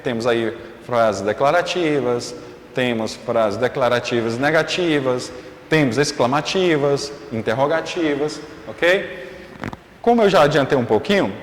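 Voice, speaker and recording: A man with a slightly high voice teaches a recorded online lesson, pausing on fillers and checking in with his class after each point. His voice rings through an echoey room with a long reverb tail. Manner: frequent "é" fillers and "ok?" check-ins.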